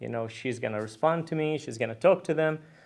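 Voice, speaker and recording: A man speaks with an Arabic accent and ordinary pitch variation. The background is quiet. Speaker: immigrant parent on panel. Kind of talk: panel talk. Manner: halting, many fillers.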